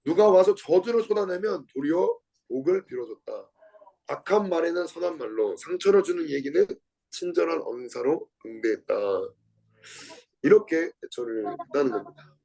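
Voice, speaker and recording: A man's voice: expressive, moderate pace, gravelly, rough recording. A man teaching a Bible lesson, reading a book aloud and adding commentary, repeating key words and asking his listeners questions, with sudden bursts when he acts out the quotes. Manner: dramatizes quotes with sudden shifts in pitch and loudness. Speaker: Bible study lecturer.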